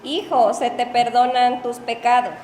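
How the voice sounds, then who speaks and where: A woman reading Bible passages aloud in a steady, plain way. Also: on the high side, a little slow. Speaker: scripture reader. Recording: echoey hall with long reverb, faint ambience.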